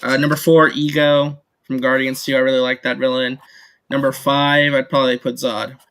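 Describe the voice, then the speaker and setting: A man's voice: medium pitch, little pitch movement, normal speed, a bit bright, clean tone. A man talking casually as a panelist in a film discussion. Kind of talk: casual chat.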